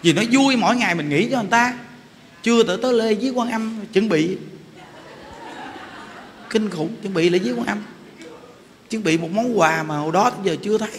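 Man, Buddhist monk, casual storytelling sermon, high voice, faint background noise. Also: fairly quick, long pauses, in a large hall. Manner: animated, laughing, addresses listeners directly. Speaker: Buddhist monk giving a dharma talk. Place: temple hall.

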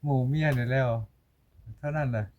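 A man's voice: mid-range voice, steady tone, fairly quick, darkish tone, highs cut off. An older man with an Isan accent, chatting plainly in short, matter-of-fact replies. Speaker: villager interviewee. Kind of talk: casual chat.

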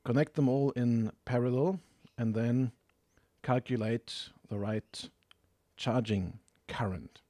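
A man's voice: mid-range voice, slow, warm tone, dry recording. A man narrating a hands-on technical tutorial in a methodical, explanatory, matter-of-fact manner. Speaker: tutorial presenter.

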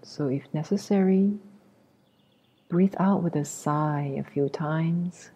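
Guiding listeners through meditation, the woman speaks in short, gentle phrases separated by long silences. She's a meditation teacher whose voice is low, slow, and breathy, with an unhurried manner throughout.

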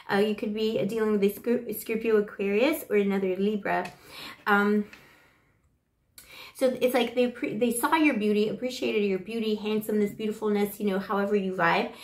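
A woman with a flu-hoarse voice giving a playful, rambling tarot reading to camera on a lapel mic. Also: mid-range voice, reverberant. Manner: gushing, playful, rambling with fillers. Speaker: tarot reader. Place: small bedroom with kitchenette. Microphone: clip-on lapel mic.

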